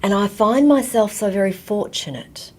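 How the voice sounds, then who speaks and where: A woman from Vietnam, raised in Australia, giving a slow, reflective talk and often dropping to a near whisper. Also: medium pitch. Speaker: guest teacher.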